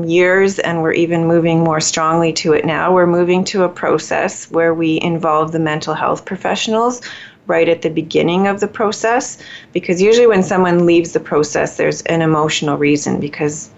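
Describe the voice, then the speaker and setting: Low gravelly-voiced woman lawyer. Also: fairly even intonation. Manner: thoughtful, measured, many pauses with fillers. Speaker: collaborative family lawyer. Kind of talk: conversational interview answers. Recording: dull lo-fi audio.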